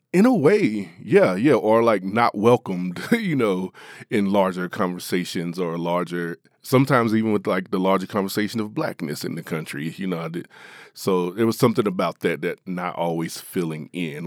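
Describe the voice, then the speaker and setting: A man from Appalachia speaks in a low voice as an author being interviewed. He talks in an animated, chatty way, full of fillers and quick laughs. The recording sounds dry and close. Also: dry recording. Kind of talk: interview guest.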